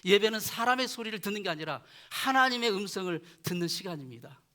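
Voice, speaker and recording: A male pastor delivers an earnest sermon, his voice sitting high and sounding bright and forward. He swells on key words, then lets each phrase sink quietly at its end. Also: expressive, quick pace. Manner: earnest preaching, voice dropping soft at phrase ends. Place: church chapel.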